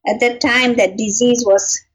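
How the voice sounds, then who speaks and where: A middle-aged woman from Kenya talks about her life as an interview guest. Her voice sits high, and she tells her story in a reflective way. She laughs now and then and fills her talk with "you know". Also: fairly even intonation, a little slow.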